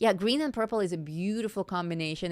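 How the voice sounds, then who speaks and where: A woman with a Russian accent, fairly low pitch, ordinary pitch variation and a fairly quick pace, on a very clean recording with a silent background. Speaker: art teacher. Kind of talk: live stream tutorial. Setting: live stream. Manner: casual, chatty.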